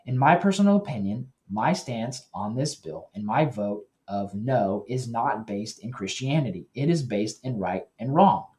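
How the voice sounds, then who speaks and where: A man's voice: mid-range voice, lively intonation, warm tone. Earnest man hosting Christian news commentary. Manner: earnest, with self-corrections and pauses; talks to listeners directly. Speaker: news show host.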